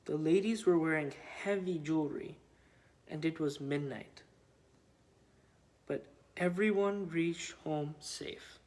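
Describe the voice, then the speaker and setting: A man reading a written devotional account aloud in a measured, halting way. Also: fairly high pitch, darkish tone. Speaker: reader of devotional testimonies.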